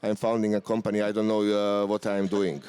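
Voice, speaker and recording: A man's voice: on the low side, level tone, fast, dark tone, clear, resonant tone, no echo. A man in his forties from Bosnia, speaking English with a Bosnian accent as a conference guest, hesitant with frequent fillers. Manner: hesitant, many "uh" fillers and restarts. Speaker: conference guest, software company representative. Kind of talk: casual conference interview. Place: conference venue.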